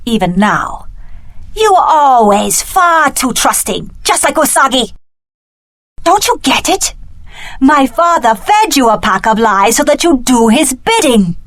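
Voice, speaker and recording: A woman's voice: sits high, sing-song, slow, dry recording, studio quality, heavily acted. A woman voicing a cunning young warrior heiress in a video game, with an articulate, dramatic delivery. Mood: scornful, menacing.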